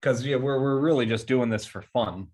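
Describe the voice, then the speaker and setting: A man's voice: mid-range voice, moderate pace, darkish tone. A man in his thirties chatting informally on a video call. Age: 30s. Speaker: participant in a virtual table read. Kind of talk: casual chat.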